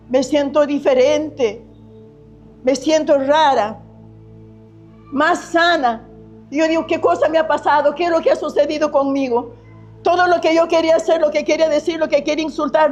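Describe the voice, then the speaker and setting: A woman's voice: high voice, darkish tone. A middle-aged woman tells her personal faith testimony in an earnest, repetitive way, often restarting her sentences. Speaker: testimony giver. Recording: slightly muffled recording with faint music.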